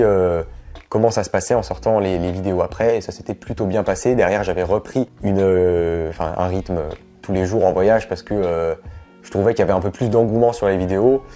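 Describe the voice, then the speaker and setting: A man's voice: deep voice, steady tone, a little fast, warm tone, soft background music. Stuffy-nosed man vlogging with a cold. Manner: rambling, many fillers. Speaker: travel vlogger. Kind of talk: casual talk to camera.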